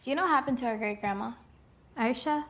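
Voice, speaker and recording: An actress playing an eager, slightly awkward teenage girl who talks quickly. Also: fairly high pitch. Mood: chatty. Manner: quick, chatty, a bit awkward.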